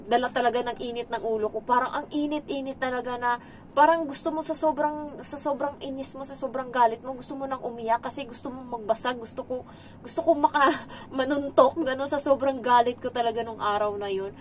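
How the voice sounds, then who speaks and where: A woman's voice: fairly high pitch, a little hiss or hum, low-quality recording. A woman from the Philippines working as a domestic helper, chatting casually in a vlog, mixing in English and laughing between stories.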